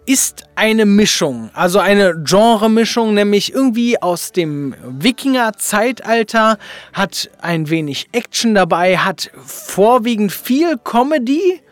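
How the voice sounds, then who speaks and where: A man's voice: high voice, lively intonation, takes it slowly, dry recording. A man hosting a podcast in a casual, chatty interview style. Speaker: podcast host.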